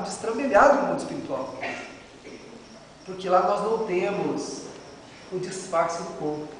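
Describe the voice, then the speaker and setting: A middle-aged Brazilian man giving a religious lecture in a dramatic, emphatic, rhetorical manner. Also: sits high. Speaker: lecturer at a Spiritist center. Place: indoor lecture room with a chalkboard. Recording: very echoey, noisy hall, distant mic.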